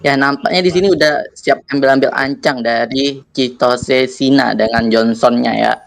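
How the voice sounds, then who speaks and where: A man's voice: mid-range voice, moderate pace, vocal fry, no room sound. A man with a speech impediment on his r sounds, commentating live on a game in a casual, chatty way. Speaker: esports caster, streamer.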